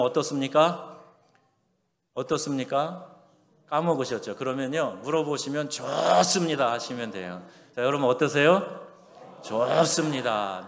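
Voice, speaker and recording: A male pastor preaching a sermon, animated, acting out the replies he quotes. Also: medium pitch. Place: church sanctuary. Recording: long church-hall reverb.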